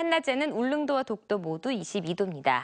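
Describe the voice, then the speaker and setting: A woman at a moderate pace with very wide pitch swings, against a quiet background. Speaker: weather presenter. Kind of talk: weather forecast. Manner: friendly. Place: studio. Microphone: lapel.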